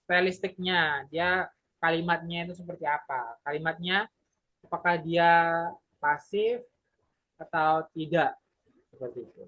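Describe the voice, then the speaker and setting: Husky-voiced presenter with frequent hesitations. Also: mid-range voice, unhurried, long pauses, sharp tone, rough recording. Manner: hesitant, many filler sounds and self-corrections. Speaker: presenter in a community discussion. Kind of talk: casual explanatory talk.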